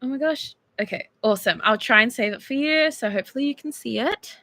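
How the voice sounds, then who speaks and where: A bubbly Australian woman chats casually with fans from her bedroom, animated and easygoing. Her voice sits a touch high and bright, with a close, dry sound. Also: fairly quick, no echo. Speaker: singer reading fan texts on a livestream. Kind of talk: casual livestream chat.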